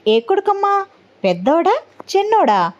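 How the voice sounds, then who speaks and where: A woman voicing a mild, placating middle-aged man who speaks gently. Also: extremely high pitch, big pitch swings, a little slow, lo-fi sound, pitched above the performer's own voice, full character voice. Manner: soothing, gentle.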